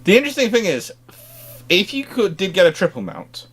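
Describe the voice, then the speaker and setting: A man's voice: high voice, wildly swooping pitch, fairly quick, a bit bright, slight background noise. A man giving expert commentary in a naval history discussion, often reworking his phrases as he goes.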